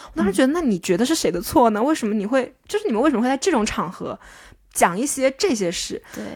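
Very wide pitch swings come at a very fast pace on a very clean recording with a silent background. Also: woman, high pitch for a woman. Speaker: podcast co-host, journalism student. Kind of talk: casual chat. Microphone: new microphone.

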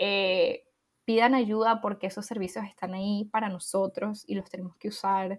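A woman speaks at a moderate pace and medium pitch in a very clean recording with a silent background. Her intonation is monotone and flat. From Venezuela. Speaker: podcast host and educator. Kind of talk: casual interview conversation.

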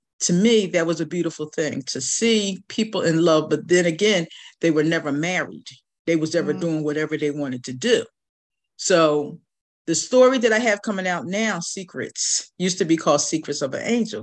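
Over a quiet background, a woman in a normal speaking voice speaks at a moderate pace with a fairly low pitch and lively intonation. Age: 60s. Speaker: playwright and author. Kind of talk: interview.

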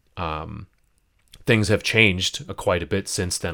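On a very clean recording with a silent background, a man with an American accent speaks at a moderate pace in a very deep, low voice with a bright, sharp tone and ordinary pitch variation. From US, Massachusetts (Boston area). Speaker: podcast host and storyteller. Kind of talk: casual interview chat.

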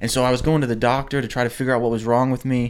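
A man with an American accent talks at a very fast pace in a very clean recording with a silent background. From US South, upstate South Carolina (Simpsonville). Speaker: actor and former pro wrestler. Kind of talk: casual chat.

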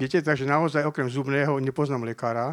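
Delivered at a moderate pace, an ordinary speaking voice keeps a fairly even intonation. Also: man. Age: 60s. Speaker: audience member. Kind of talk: audience question.

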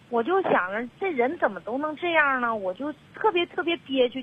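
A woman with a high pitch speaks at a moderate pace. Her pitch swings very widely over noticeable background noise. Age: 30s. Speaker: caller seeking advice. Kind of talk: phone-in personal story. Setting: phone call.

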